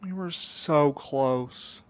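A man's voice: fairly high pitch, extremely slow. A man playing a loyal, eager, joking friend in an audio drama. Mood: urgent, dismayed.

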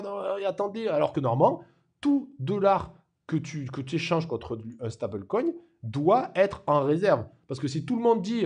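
A man talks through market charts in a casual, joking way. His slightly high, husky voice leaps up when he gets excited, then drops to low asides. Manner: animated and jokey, swinging between excited highs and low mutters. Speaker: crypto market commentator. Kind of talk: casual market analysis vlog.

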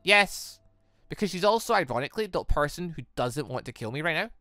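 A bitter young woman from a fantasy visual novel, acted out by a man. The delivery is cold, guarded and measured, with a bright edge and a dry, close sound. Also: on the high side, expressive, no room sound, soft background music. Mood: resolute, grave.

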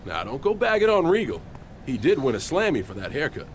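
A man's voice: on the high side, huge pitch swings, a little fast, slight background noise. A man voicing a cocky male wrestling champion in a video game, brash and teasing.

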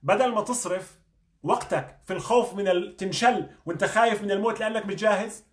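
A man's voice: sits high, fast talker. A man, a doctor giving a motivational talk, earnest and coaching, firing questions at the listener. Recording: echoey room.

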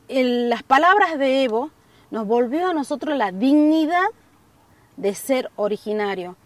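A middle-aged woman gives an earnest outdoor interview, pausing on fillers as she works through her points. Her voice sits fairly high, and it is picked up from a bit of a distance in an open field. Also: no room sound. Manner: earnest, gesturing, many fillers. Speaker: community member interviewed. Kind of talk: documentary interview. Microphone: camera at a distance.

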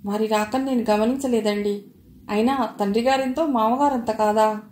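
Woman doing a meek soft-spoken young wife, highish voice, echoey. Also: fairly even intonation, normal speed, lightly acted. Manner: soft, timid, hesitant. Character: meek gentle young daughter-in-law.

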